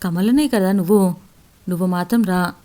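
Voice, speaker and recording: A woman's voice: fairly low pitch, moderate pace, dark tone, lightly acted. A woman narrator voicing a stern policewoman giving curt orders. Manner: commanding.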